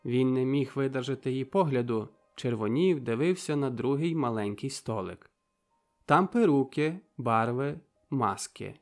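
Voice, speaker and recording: Male audiobook narrator over soft music. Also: medium pitch, expressive, normal speed. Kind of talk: audiobook reading.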